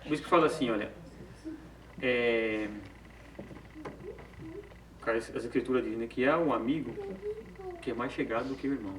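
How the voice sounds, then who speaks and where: A man's voice: mid-range voice, moderate pace, pauses often, a crowd in the background. A man leading an informal Bible study, talking conversationally and often tagging on short questions. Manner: conversational, frequent tag questions, self-corrections. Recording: far from the mic in an echoey room with faint background noise.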